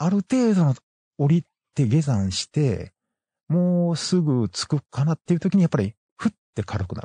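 Speaking at a moderate pace with long, frequent pauses, a man with a fairly high pitch and a dark, mellow tone makes very wide pitch swings and big swings in loudness, in a dry sound with no echo against a quiet background. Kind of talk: storytelling. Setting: campsite by a lake at night. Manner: hushed, quiet tone for campsite quiet hours. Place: forest.

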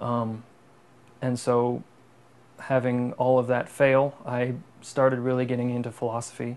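With an American accent, a man speaks in a flat, monotone way at a fairly slow pace, leaving long, frequent pauses. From US Midwest. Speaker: university student. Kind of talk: testimony. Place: office.

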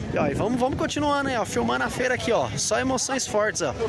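Clear music plays in the background as a man talks at a very fast pace. His voice sounds dry, with no echo. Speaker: vlogger. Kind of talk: casual vlog chat. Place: market. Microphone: phone near.

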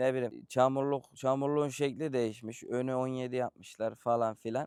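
A man speaks in a medium pitch at a moderate pace. His intonation is monotone and flat, in a dry, close sound with no echo. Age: 20s. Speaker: motorcycle vlogger, former lathe operator. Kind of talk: casual Q&A chat.

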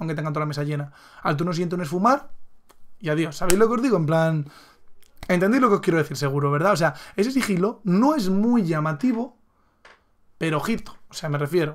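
Over light background noise, a voice in a Spanish accent talks at a very fast pace with lively intonation and an animated tone. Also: man, high pitch for a man. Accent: Peninsular Spanish. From Spain. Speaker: gaming youtuber. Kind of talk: card game analysis video. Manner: animated, casual. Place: home room.

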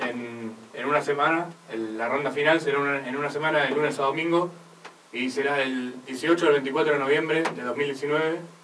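An unremarkable speaking voice from a man, fairly high in pitch with fairly even intonation, over light background noise. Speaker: journalism student on air. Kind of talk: radio sports talk show. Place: studio.

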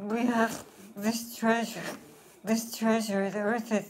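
Somewhat breathy and fairly high-pitched, a woman speaks in a monotone, flat intonation. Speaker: vlogger living with ALS. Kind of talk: live stream update. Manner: halting.

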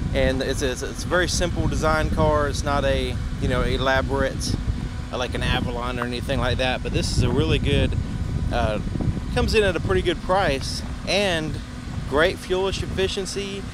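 Loud background noise accompanies a man who talks at a moderate pace, his sound dry with no echo. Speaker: car reviewer. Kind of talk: casual walkaround commentary. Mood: upbeat, enthusiastic. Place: open country.

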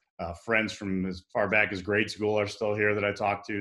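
Set against a quiet background, a man with an American accent talks at a moderate pace. He has a fairly low pitch and an ordinary speaking voice. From Chicago area. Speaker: radio baseball play-by-play announcer. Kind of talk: interview answer. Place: home room. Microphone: video call.

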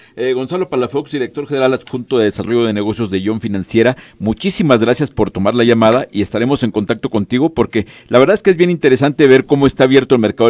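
A man speaks very fast with a Mexican accent. His intonation is lively. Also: quiet background, dry sound with no echo. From Mexico. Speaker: radio show host on housing and urban development. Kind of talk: radio interview. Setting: studio. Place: studio. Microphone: studio mic.

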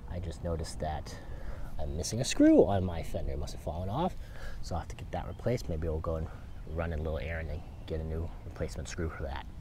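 Someone talks at a very fast pace over noticeable background noise, with a dry sound and no echo. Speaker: product reviewer. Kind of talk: casual review walkthrough. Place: open country. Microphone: phone near.

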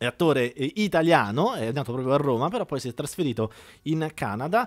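With a fairly high pitch and lively intonation, a man speaks at a fairly quick pace against a quiet background. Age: 30s. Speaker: film critic; film reviewer podcast host. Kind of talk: casual chat. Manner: halting. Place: studio. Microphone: studio mic.

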